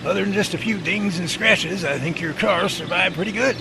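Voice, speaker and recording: An actor playing a feisty, folksy older professor with a blustery, sharp tongue in an audio drama. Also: male voice, sits high, fairly quick, gravelly. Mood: wry. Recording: noisy outdoor ambience with birds.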